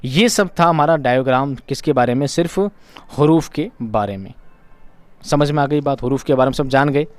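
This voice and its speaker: A man's voice: mid-range voice, normal speed, no room sound. Male teacher, close dry sound. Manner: asks questions and answers them himself; repeats key terms for emphasis. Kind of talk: exam-prep lesson.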